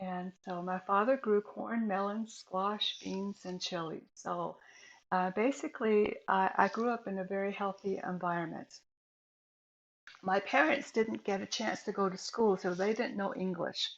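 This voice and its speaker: A woman with a Southwestern US accent at medium pitch and a fairly slow pace, with ordinary pitch variation. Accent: Navajo-accented English. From Navajo reservation, northern Arizona. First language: Navajo. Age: 60s. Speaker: retired nurse and author sharing her life story. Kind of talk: interview testimony. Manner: halting, with fillers and repeats.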